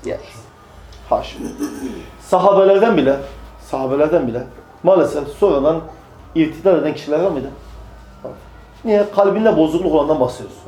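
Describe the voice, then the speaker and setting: Before a small group, a preacher with a warm voice on the high side speaks emphatically, repeating phrases and resolving his own rhetorical questions. It's a low-quality recording made in an echoey room.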